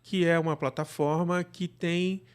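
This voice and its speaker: A middle-aged Brazilian man talks as a guest in a casual interview. His voice sits a little high for a man. He explains things discursively, often checking in with short tag questions. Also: steady tone, unhurried, smooth. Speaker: interview guest, actor and podcast producer. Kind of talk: casual conversational storytelling.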